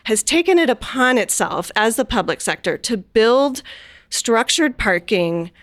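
A woman's voice: a little high, expressive, a little slow, fairly bright tone, no echo. A woman guest talking enthusiastically and with emphasis in a conversational discussion. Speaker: guest urbanist.

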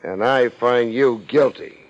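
An actor playing a laid-back, wry private investigator in a 1950s radio drama, deadpan and wisecracking. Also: male voice, medium pitch, slow, lightly acted. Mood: accusing. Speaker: lead actor, narrating and playing the detective. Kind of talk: 1950s radio detective acting. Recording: muffled 1950s radio transcription.

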